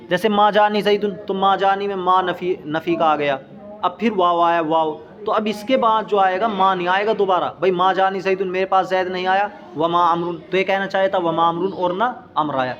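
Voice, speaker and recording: A man teaching an Arabic grammar lesson as a teacher. He reads the text slowly, explains it quickly and asks his students questions. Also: high voice, a bit bright, highs cut off.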